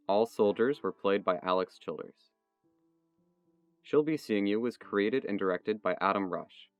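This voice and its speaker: Faint music plays under a somewhat muffled recording of a man with a fairly low voice. He reads scripted credits as an announcer. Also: no room sound. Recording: slightly dull, music underneath.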